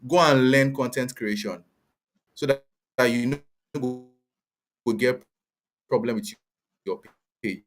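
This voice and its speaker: A man's voice: mid-range voice, measured pace, pauses often, faint music behind. A man with a West African accent hosting a casual live online talk, mixing Pidgin with English in a blunt, direct, admonishing way. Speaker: host and content creator.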